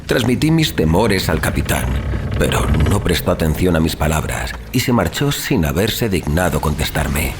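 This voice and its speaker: A man giving a dramatic, measured and expressive narration of a horror story at sea. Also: rumbling low, background noise. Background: music.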